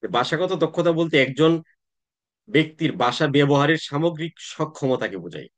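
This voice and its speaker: Man, coaching instructor, online class lecture, conversational, hesitant pauses. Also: fairly high pitch, lively intonation. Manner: conversational teaching with frequent "তাই না?" check-ins and hesitations. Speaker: tax exam coaching instructor.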